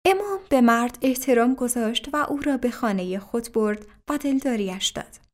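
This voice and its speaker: A woman narrating a religious story in an even, careful reading voice. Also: fairly high pitch.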